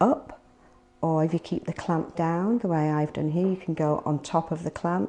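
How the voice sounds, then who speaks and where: A woman with a British accent speaks at a fairly low pitch, her tone dark and mellow, with ordinary pitch variation. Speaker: hairstylist. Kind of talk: hair styling tutorial.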